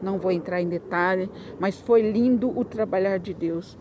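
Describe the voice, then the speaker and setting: A woman's voice: mid-range voice, normal speed, noisy background. A woman with a Brazilian Portuguese accent giving a Christian testimony, telling her story in an emotional, repetitive way that rises into fervent bursts.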